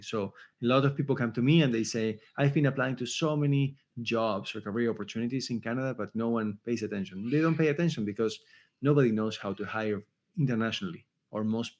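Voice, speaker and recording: Argentine-accented man coaching on resumes. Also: lowish voice. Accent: Argentine Spanish. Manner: emphatic, repeats points and checks in with "okay?" and "right?". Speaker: career coach. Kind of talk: online resume workshop.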